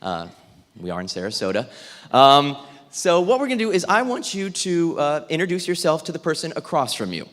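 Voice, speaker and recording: Man leading a group warm-up in an echoey hall. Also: on the high side, very animated, fairly quick. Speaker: theatre workshop facilitator. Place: large indoor event room with tables. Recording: echoey hall with long reverb.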